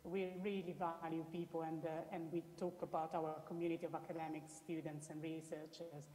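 A woman's voice: low-pitched, flat delivery, brisk, mellow. A woman with an Italian accent giving an explanatory presentation as an academic researcher, often restating her words. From Italy. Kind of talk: spoken presentation with slides. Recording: echoey hall with long reverb.

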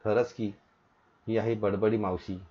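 A man's voice: lowish voice, little pitch movement, measured pace, dark tone. A man voicing a police officer in a storybook reading, asking pointed questions, on a dull lo-fi recording. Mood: questioning.

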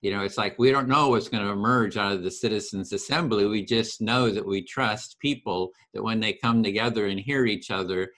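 A man hosting a casual video call discussion, talking earnestly and enthusiastically with halting restarts. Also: lowish voice, a bit bright. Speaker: host of empathy circle series.

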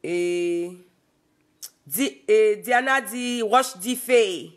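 A woman's voice: mid-range voice, drawn-out words. A woman in her thirties with a Haitian accent, hosting a casual live stream from a small room and reading viewers' comments aloud. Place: small indoor room before curtains. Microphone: phone camera at arm's length.

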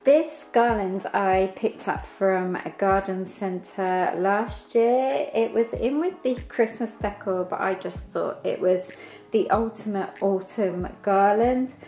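A woman's voice: medium pitch, slow, a little mellow, faint music behind, poor audio. A young British woman vlogging from her living room, chatting casually and upbeat about home decor. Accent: British English. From United Kingdom. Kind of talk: casual home vlog chat.

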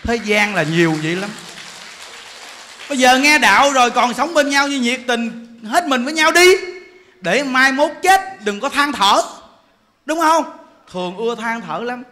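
Southern vietnamese monk preaching, bright sharp voice, keeps laughing and asking the crowd questions. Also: male voice, extremely high pitch, animated, measured pace, long pauses. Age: 40s. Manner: joking, laughing, many rhetorical questions. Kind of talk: dharma talk sermon.

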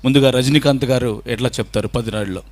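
A man's voice: mid-range voice, rapid-fire. A man from Khammam in Telangana, a mimicry artist, chatting politely with the audience between his impressions. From Khammam district, Telangana. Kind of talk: stage patter introducing impressions.

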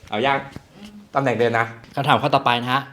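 A man's voice: medium pitch, steady tone, racing, over a noisy crowd. A man hosting a joke quiz game in a casual, teasing way, laughing often between questions. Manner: jokey, laughs often, polite ending particles.

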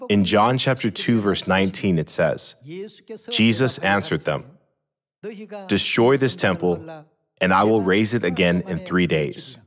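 A middle-aged man preaching a sermon at a pulpit, measured and posing rhetorical questions he then answers. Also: sits low, fairly bright tone. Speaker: pastor. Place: large church hall, at a pulpit. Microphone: podium microphones.

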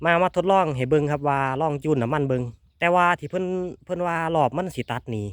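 A man with an Isan accent hosting a casual hands-on demo, talking excitedly and repeating his words as he tests an engine. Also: on the high side, quick pace, no room sound. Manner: excited, repeats words, exclaims over results. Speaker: video host.

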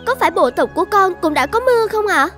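High-pitched, devout young tribal maiden played by a woman. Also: lively intonation, fast talker, a bit bright, faint music behind. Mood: grateful wonder. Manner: earnest, reverent. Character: devout, self-sacrificing young tribal maiden pleading to a god. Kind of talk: dubbed animated folktale acting.

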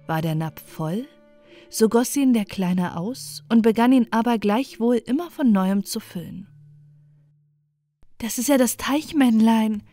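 A woman's voice: medium pitch, warm tone. A woman narrating a fairy tale as a bedtime storybook reading. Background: music.

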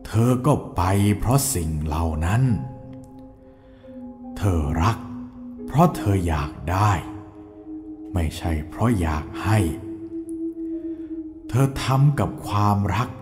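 A man voicing a stern old nobleman with a very deep voice, talking slowly and deliberately as if giving a sermon. His voice rises and falls widely, ringing in a long hall reverb. Singing-bowl music plays softly beneath. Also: animated. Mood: stern, calm. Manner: slow, sermon-like, lecturing. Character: stern older nobleman, calm, lecturing. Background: soft meditative music.

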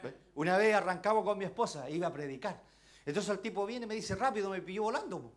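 A male pastor with a Chilean accent preaching a sermon, swinging between shouts and hushed asides and calling out rhetorical questions to the congregation. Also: sits high, lively intonation, fast. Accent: Chilean Spanish. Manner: impassioned, swinging between shouts and near-whispers.

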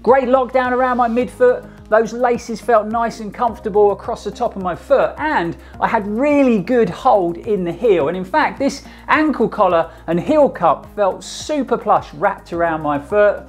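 A man's voice: sits high, moderate pace, few pauses. Middle-aged guy, chatty and pumped, reviewing shoes in a little home studio, light music under. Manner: energetic, chatty, enthusiastic. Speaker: running shoe reviewer. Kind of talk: upbeat gear review to camera. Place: small home studio, indoors.

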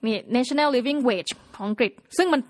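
A woman hosting a podcast tells stories in a chatty, playful way, full of lively little exclamations. Her voice sits a bit high. The sound is close and dry. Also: measured pace, no room sound. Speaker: podcast host. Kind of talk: casual solo podcast talk.

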